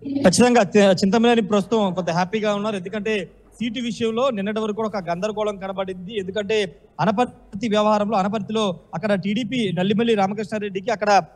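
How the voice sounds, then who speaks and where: A man's voice: high voice, fairly even intonation, fast talker, darkish tone. A man giving a live political news report in a repetitive, run-on explanatory way. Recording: long hall-like reverb.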